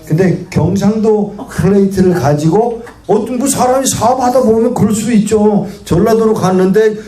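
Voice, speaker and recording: A man's voice: sits high, normal speed, a crowd in the background. A male guest pastor preaching a sermon to a congregation, telling stories and asking the audience questions. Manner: animated storytelling preacher who asks the audience questions. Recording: echoey hall with faint noise.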